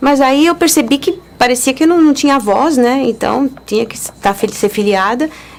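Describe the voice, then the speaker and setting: A woman's lively intonation at a moderate pace, over noticeable background noise. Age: 60s. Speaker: political activist. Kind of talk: political talk show interview.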